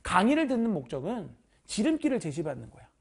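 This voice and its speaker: A male math teacher talks straight to his students in an online course orientation, teasing them and breaking into loud bursts of emphasis. His voice is husky and swings widely in pitch. He speaks casually and informally to them throughout. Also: quick pace. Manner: animated, teasing, bursts of shouting; informal, addresses students directly.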